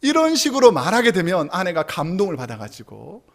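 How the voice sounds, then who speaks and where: Man, pastor, sunday sermon in a church, high voice, very animated pitch, acts out dialogue. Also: a little fast, gravelly. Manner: animated, acts out spouses' quips, chuckles with congregation. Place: church sanctuary.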